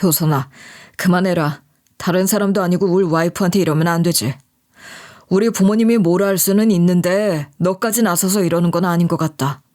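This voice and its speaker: Brief: calm peacemaking husband in an audio story, lowered soothing voice, voiced by a woman. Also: a little fast, natural voice.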